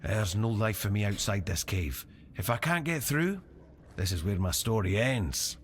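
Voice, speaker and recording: An actor playing a weary, proud tribal warrior in a fantasy role-playing game, speaking gravely and deliberately with a fatalistic air. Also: male voice, on the low side, animated, slight background noise. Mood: weary, resigned. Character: weary, proud tribal warrior man camped at sealed doors.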